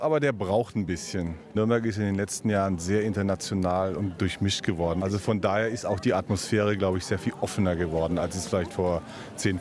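A man's voice: on the low side, darkish tone. A man answering thoughtfully in an interview out in a city street.

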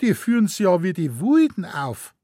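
A man reading aloud voices an excitable, outraged Munich woman in Bavarian dialect. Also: on the low side, a little slow, no echo, clean studio sound, voice pushed up.

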